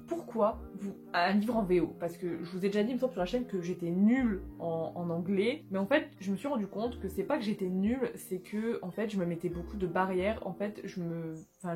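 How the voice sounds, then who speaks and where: A chatty young woman with a French accent talks through her latest book purchases. She rambles in a relaxed, informal way, full of fillers and slang, at an even middle pitch. Soft music plays faintly behind her. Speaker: book vlogger. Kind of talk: casual book haul chat.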